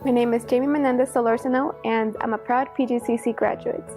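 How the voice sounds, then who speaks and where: Young woman, from El Salvador, sincere testimonial, slight vocal fry, light music bed. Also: on the high side, steady tone, fast talker, mellow. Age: young adult. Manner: earnest, reflective, with small restarts. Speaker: former student. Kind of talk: testimonial interview.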